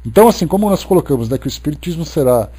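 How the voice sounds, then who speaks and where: Husky-voiced Brazilian man lecturing casually. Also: a little high, animated, very fast, warm tone. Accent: Brazilian Portuguese. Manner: conversational, frequent "né" tags, reads out comments. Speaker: spiritist lecturer. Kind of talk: live talk answering viewer comments.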